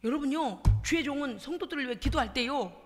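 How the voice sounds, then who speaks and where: A middle-aged woman pastor preaching a dramatic sermon in a church, acting out her own prayers with sobs and shouts. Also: high voice, lively intonation, quick pace, faint music behind. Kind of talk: animated sermon. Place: church sanctuary. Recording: long hall reverb.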